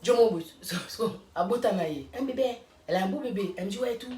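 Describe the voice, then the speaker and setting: A woman's voice: mid-range voice, quick pace, warm tone, a little hiss or hum. A woman, speaking in an emphatic, fiery casual rant and repeating rhetorical questions. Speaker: vlogger. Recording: roomy sound from a distant mic.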